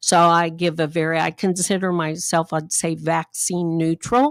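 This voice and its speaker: A woman with an American accent talks at a fairly slow pace and fairly low pitch, in an unremarkable speaking voice. The recording is very clean, with a silent background. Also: dry, close sound with no echo. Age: 60s. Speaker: health educator. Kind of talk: interview.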